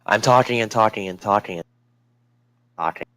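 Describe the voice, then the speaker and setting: A man's voice: fairly low pitch, a bit bright, smooth. A man running a tabletop game over a voice call, his audio glitching and cutting out every few seconds as he tests his mic. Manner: halting, testing the mic by counting. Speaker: game master. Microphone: online voice call.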